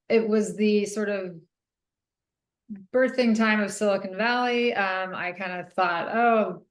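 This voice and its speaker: Thoughtful middle-aged woman, roomy studio. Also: medium pitch. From Northern California. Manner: thoughtful, many ums and soft laughs. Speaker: author. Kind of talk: interview answers. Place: radio studio.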